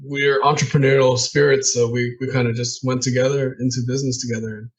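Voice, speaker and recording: A man's voice: mid-range voice, flat delivery, fast, muffled recording. Matter-of-fact man in his thirties. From Southern California. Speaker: guest, business owner. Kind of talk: casual interview talk.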